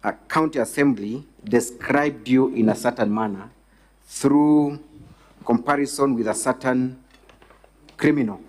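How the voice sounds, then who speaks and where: A man with a Kenyan accent questioning a witness as counsel, formal, courteous and deliberate, phrase by phrase. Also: mid-range voice. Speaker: defence lawyer questioning a witness. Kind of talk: formal legal examination.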